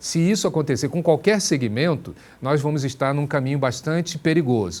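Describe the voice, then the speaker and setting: An unremarkable speaking voice from a man, fairly high in pitch, at a moderate pace. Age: 60s. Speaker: Senate candidate and pastor. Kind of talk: TV interview.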